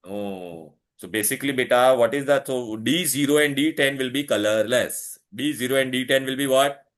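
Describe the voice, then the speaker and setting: A man with a South Asian accent tutors at a very brisk pace. He mixes English with Hindi, repeats key points and keeps firing short questions to check understanding. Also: medium pitch. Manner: repetitive, quizzing, checking with questions. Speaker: chemistry tutor. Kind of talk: interactive one-on-one lesson, mixing English and Hindi.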